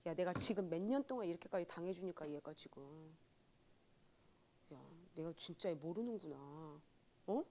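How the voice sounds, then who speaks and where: A young woman junior pastor giving a sermon with a personal testimony, telling it with loud outbursts and hushed asides. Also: fairly low pitch, normal speed, long pauses. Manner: animated storytelling, swings between loud outbursts and hushed asides.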